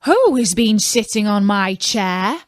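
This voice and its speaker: A woman's voice: mid-range voice, very animated, slow, no room sound, studio quality. Woman voicing emphatic, curious little storybook dwarf man. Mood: puzzled, indignant. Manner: exclaiming, questioning, emphatic. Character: seven little dwarf men, curious and astonished. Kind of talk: storybook fairy tale character.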